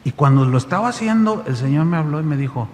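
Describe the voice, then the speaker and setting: A man's voice: fairly high pitch, expressive, fast, big-room sound. A man, a pastor telling a story in his sermon and animatedly addressing the congregation directly.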